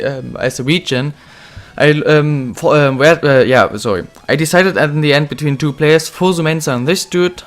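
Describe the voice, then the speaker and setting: A young man with a slightly ill voice, talking through a football career-mode game in casual, rambling commentary full of fillers and self-corrections. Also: medium pitch. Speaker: gaming video host.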